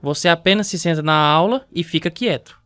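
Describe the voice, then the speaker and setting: Long-suffering school principal, high clear male voice, measured and kindly admonishing, radio drama. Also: sharp tone, no echo. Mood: reassuring.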